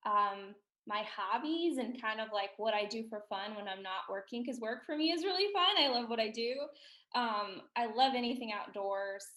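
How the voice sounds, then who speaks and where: A woman in her thirties from Missouri with a Midwestern accent, chatting as a podcast guest, laughing often and filling pauses with ums. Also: a little high, a bit bright, echoey room. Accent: Midwestern American. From Missouri, USA. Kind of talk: casual interview chat.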